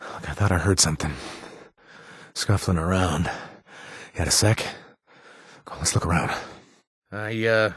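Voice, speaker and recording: A sly, affectionate wasteland rogue from a video game. His husky voice swings widely in pitch as he coaxes and teases in a hesitant, conversational drawl. The sound is dry and close. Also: no room sound, full character voice. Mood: friendly, teasing. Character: roguish flirtatious male wasteland companion, sly and affectionate. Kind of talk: video game companion dialogue.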